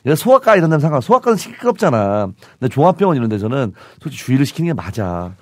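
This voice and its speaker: A man's voice: mid-range voice, big pitch swings, rapid-fire, no echo, studio quality. A man co-hosting a casual talk show, joking and bantering playfully. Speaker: podcast co-host. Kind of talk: casual chat.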